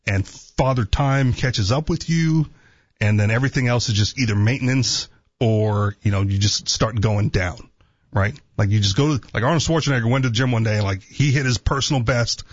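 A man's voice: mid-range voice, normal speed, no echo, dull audio. A man co-hosting a talk radio show, talking casually, teasing, and checking in with "right?". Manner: conversational, teasing, asks "right?" a lot.

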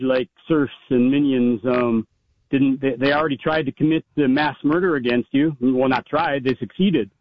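A man's voice: medium pitch, slight background noise. A man hosting a casual talk show, talking over his co-hosts and repeating himself to stall. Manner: talks over others, repeats "wait a minute". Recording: dull lo-fi sound.

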